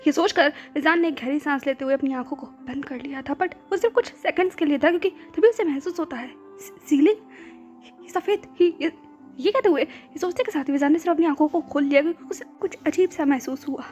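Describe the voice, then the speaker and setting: A woman's voice: high-pitched, fast, hardly any pauses. A woman narrating a romance story, mixing English words into her telling. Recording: soft background music.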